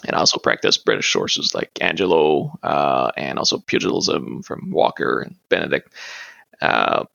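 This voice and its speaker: A man's voice: rumbling low, sing-song, moderate pace, creaky, pushed and bright, no room sound, dull audio. A man whose first language is French, talking as a podcast guest, hesitant, with many fillers and restarts. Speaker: guest, martial arts practitioner. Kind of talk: casual interview talk.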